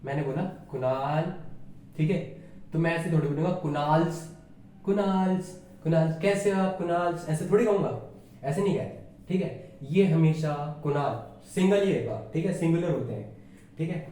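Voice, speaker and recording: A man's voice: a little high, lively intonation, normal speed, warm tone. A man teaching a grammar lesson in a casual classroom style, repeating key points and talking as he writes. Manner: repeats points with frequent fillers, talks while writing. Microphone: far from the mic. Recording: distant echoey room, faint hum.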